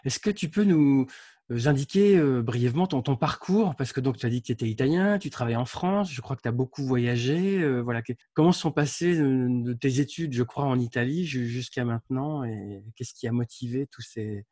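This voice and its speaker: Mellow male interviewer, halting questions. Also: medium pitch, no echo, clean studio sound. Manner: halting, repeats words while framing questions.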